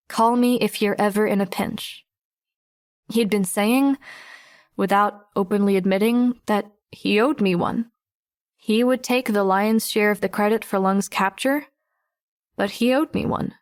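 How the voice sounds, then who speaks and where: A woman voices a teenage girl superhero telling her own story for an audiobook. She sounds introspective, guarded and a little weary, at a medium pitch, recorded dry and close. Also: no echo, close to an everyday voice. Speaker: narrator and lead voice actor. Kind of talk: first-person audiobook narration.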